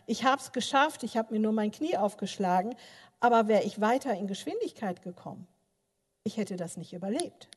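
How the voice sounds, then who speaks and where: A woman's voice: mid-range voice, normal speed, husky. Older woman preaching in a reverberant hall. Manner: animated storytelling, many filler sounds, addresses listeners directly. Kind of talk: sermon with personal stories. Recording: long reverb of a large hall.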